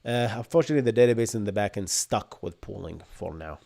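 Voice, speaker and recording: A man in his thirties from Bahrain with an Arabic accent, hosting a live-streamed tech Q&A from a home room and explaining things in energetic bursts, often tagging on "right?". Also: on the low side, quick pace, vocal fry. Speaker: podcast host. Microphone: desk microphone in front.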